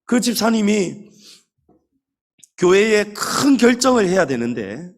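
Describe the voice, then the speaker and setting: With a high, sing-song voice, a male pastor delivers his Sunday sermon emphatically. He talks directly to the congregation and slows his pace to stretch out key words.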